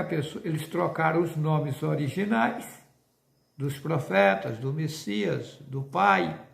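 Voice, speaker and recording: A man's voice: high-pitched, creaky, echoey room. A man with a Brazilian accent preaching an insistent religious monologue to viewers, full of rhetorical questions.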